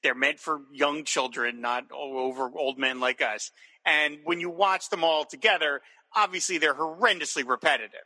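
A man's voice: on the high side, normal speed, bright, forceful tone, long reverb tail, rough recording. A man chatting casually as a podcast co-host, enthusiastic and rambling, with many restarts. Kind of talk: casual chat reviewing old cartoons.

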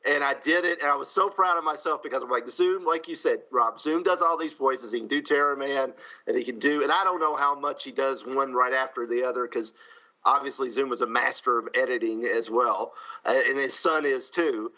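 A man co-hosting a podcast, telling a story in an animated, chatty way. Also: mid-range voice, fairly quick, lo-fi sound. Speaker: podcast co-host. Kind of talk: casual podcast chat.

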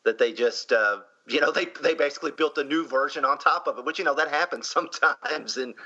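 Male co-host, relaxed and chatty, bright tone, dull recording. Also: fairly high pitch, a little fast. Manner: easygoing, many fillers like "you know". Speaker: podcast co-host. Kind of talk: casual film discussion.

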